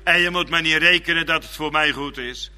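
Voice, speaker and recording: A man delivers a sermon in a high, strikingly bright voice, taking his time over each fervent phrase. His words ring out with a long reverb, as in a church hall. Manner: slow, fervent preaching with quiet, drawn-out phrases. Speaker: preacher.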